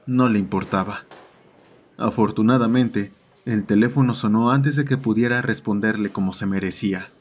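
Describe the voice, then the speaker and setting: Husky male horror story narrator. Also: fairly low pitch, a little mellow. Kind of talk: scripted first-person narration, audio horror drama.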